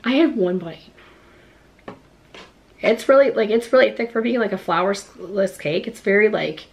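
A woman's voice: medium pitch, unhurried. A woman in her thirties chatting to the camera in her home kitchen, a little stuffed up with a slight cough, full of "like" fillers. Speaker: vlogger. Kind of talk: casual chat to camera. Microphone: camera at close range.

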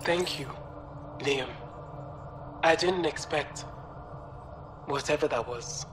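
A man voicing a grateful, reserved alien in a video game, measured and understated. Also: fairly high pitch, a bit bright, soft background music. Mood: grateful, subdued. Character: grateful, reserved male alien freed captive. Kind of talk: video game dialogue acting.

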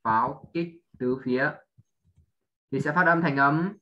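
A man's voice: a little high, measured pace, muffled recording. A man teaching an English lesson to a child, drilling sounds patiently, spelling letters one by one and often checking understanding.

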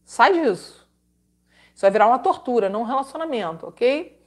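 A woman's voice: a little high, expressive, fairly quick. A woman hosting a live advice stream, emphatic and scolding, with dramatic repetitions and religious exclamations. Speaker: host giving relationship advice. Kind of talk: live-stream advice, reading letters aloud.

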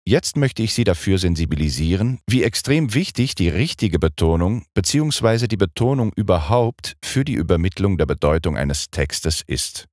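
A middle-aged man, a former singer turned audiobook narrator, reading a speech lesson in a clear, deliberate and precisely stressed way. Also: low-pitched, lively intonation, a little mellow, dry recording, studio quality.

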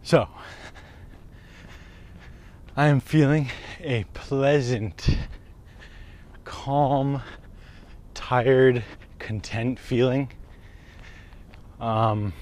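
A man's voice: mid-range voice, extremely slow, long pauses, darkish tone. A man, chatting casually while walking down a residential street, camera held at arm's length, swearing freely and laughing at himself. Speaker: wellness vlogger. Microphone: handheld camera at arm's length.

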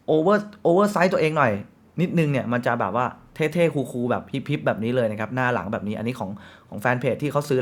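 A man's voice: mid-range voice, a bit bright. A man hosting a casual football news show, chatty and reading sponsor plugs between the news. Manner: chatty, reads sponsor ads quickly, frequent polite fillers.

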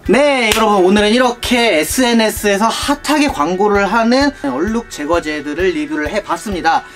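A young man presents a product test with a very lively, varied pitch. He talks to viewers in a polite, conversational way, and music plays behind him. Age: young adult. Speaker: product review video host. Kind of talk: casual product test commentary.

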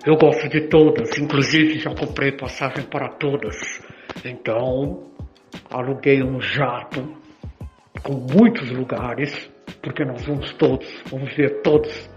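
A man's voice: mid-range voice, fairly even intonation, measured pace, close to an everyday voice. An older Brazilian man playing a boastful, self-satisfied womanizing father in an amateur radio drama. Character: boastful womanizing father wooing many women. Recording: echoey, dull lo-fi audio with music.

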